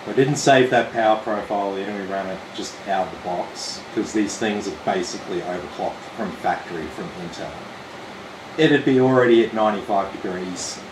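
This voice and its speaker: A man with an Australian accent, slightly hoarse, casually talking viewers through a computer build on a live stream. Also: on the low side. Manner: relaxed, chatty, explains steps plainly. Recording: roomy with steady air-conditioning hum.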